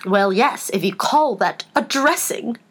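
A woman's voice: on the high side, expressive, a little slow, breathy edge. A woman voicing a fretful, scatterbrained storybook queen, groaning and sighing, stretching her phrases for emphasis. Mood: huffy.

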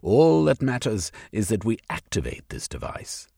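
A man's voice: lowish voice, wildly swooping pitch, normal speed, vocal fry, mellow, slightly rough, no echo, studio quality, pitched above the performer's own voice, exaggerated voice. A man reader voicing a cold, commanding government agent who gives clipped, stern orders.

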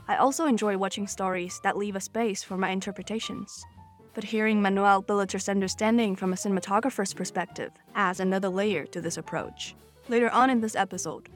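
A young woman at a mid-range pitch reads a scripted podcast introduction. Faint music plays beneath her voice. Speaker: podcast host and cinema studies student. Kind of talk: scripted narration.

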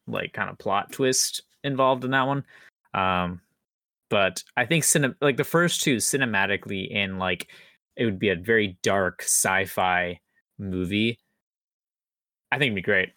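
A man's voice: fairly low pitch, bright, forceful tone, dry recording, studio quality. A man co-hosting a podcast in casual chat, rambling as he thinks aloud. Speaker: podcast co-host.

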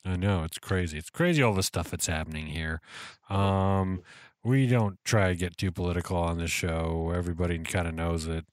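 A man's voice: deep voice, normal speed, no echo, studio quality. A man hosting a podcast in casual chat, speaking in an easygoing, agreeable way. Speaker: podcast host.

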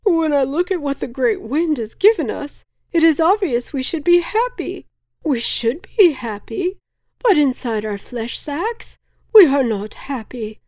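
A baffled, red-faced man cries out breathlessly in a raised, high voice, as a woman narrator puts him on. His lines come loud and strained. It is a storybook voice with a dry, close sound. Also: animated, measured pace, no echo. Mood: distraught. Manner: breathless, loud, pitched-up pleading.

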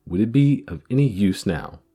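A man's voice: fairly low pitch, animated, normal speed, dark tone, husky, soft background music. A man voicing a curious, polite young girl who chatters earnestly.

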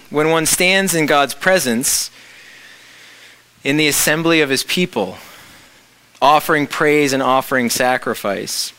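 A man's voice: medium pitch, sharp tone, low-quality recording. A man preaching a reflective sermon, explaining scripture with rhetorical questions.

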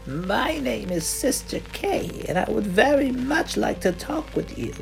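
Woman as soothing nun, slow and lilting, slight fry, over music. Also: a little high, sing-song, heavily acted, rough recording. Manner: slow, soothing, gently persuasive. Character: calm, coaxing nun caring for a child. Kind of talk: horror audio drama reading. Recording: music playing underneath.

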